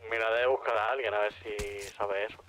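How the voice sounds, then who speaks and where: A man's voice: lowish voice, fairly even intonation, a little fast, fairly bright tone, a little hiss or hum. A man chatting casually with other players during an online roleplay game. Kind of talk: casual roleplay chat while gaming.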